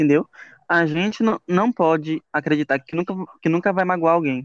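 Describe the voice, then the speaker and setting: Over a quiet background, a man with a high pitch talks at a fairly quick pace, the sound dry and close with no echo. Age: 20s. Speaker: podcast panelist. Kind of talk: casual chat.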